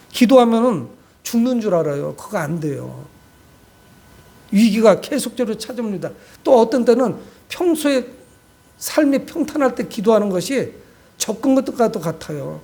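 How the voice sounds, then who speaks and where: Male pastor, notably high voice, exhortative sermon delivery with rhetorical questions to the congregation. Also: sing-song, moderate pace, creaky, warm tone, breathy edge. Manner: exhortative, addresses listeners often with rhetorical questions.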